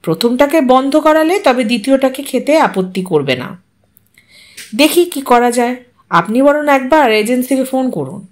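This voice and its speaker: Woman doing a calm professional doctor, explanatory, lively voice. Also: sits high, normal speed.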